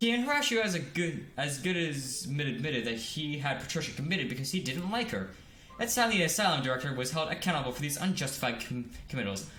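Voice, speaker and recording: A fairly high-pitched man races along at a very fast pace with very wide pitch swings, amid audible room echo and noticeable background noise. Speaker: gaming video host. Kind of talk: reading game dialogue aloud. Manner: halting, stutters while reading.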